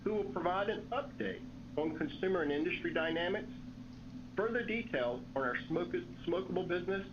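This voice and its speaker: A man's voice: sits high, animated, fairly quick. A man reading scripted remarks as a company executive on an earnings call. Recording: dull lo-fi call audio, clear noise.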